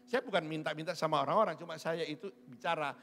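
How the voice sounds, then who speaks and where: A man's voice: on the high side, fast talker, fairly bright tone. A middle-aged man preaching a sermon as a pastor, joking and teasing his congregation. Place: church hall. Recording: church hall with long reverb.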